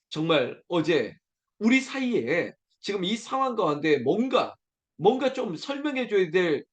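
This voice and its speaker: 남자 목사가 고난받는 신자의 탄식을 대신 외치듯 간절하게 설교하는 목소리. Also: male voice, on the high side. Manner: earnest, voices the cries of a suffering believer with rising intensity. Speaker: pastor. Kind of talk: sermon.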